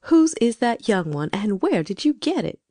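A woman voicing a stern, sharp-tongued older farm wife who scolds in a grim, clipped way. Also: a little high, very animated, moderate pace, dry recording, studio quality.

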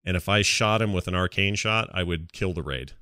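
Low, clear-voiced man chatting on a podcast. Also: a little fast, sharp tone, no echo, studio quality. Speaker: podcast host. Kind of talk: casual gaming podcast chat.

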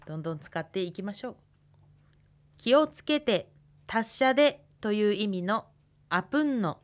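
A woman's voice: medium pitch, expressive, moderate pace. Woman in her twenties, radio language teacher, thinks aloud while explaining. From Hokkaido, Japan. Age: 20s. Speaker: language instructor.

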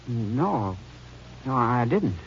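A man's voice: medium pitch, big pitch swings, drawn-out words, husky, heavily acted. An actor playing a nervous, evasive young man in a 1950s radio drama, defensive and hesitant. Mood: defensive, uneasy. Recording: muffled, very noisy old radio recording.

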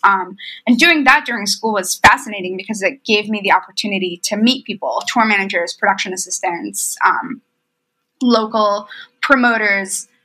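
Bright-voiced woman telling tour stories. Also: medium pitch, moderate pace, husky, low-quality recording. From Romania. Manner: storytelling, quotes others with lively asides. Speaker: tour manager, podcast guest. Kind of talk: casual interview chat. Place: remote call from home.

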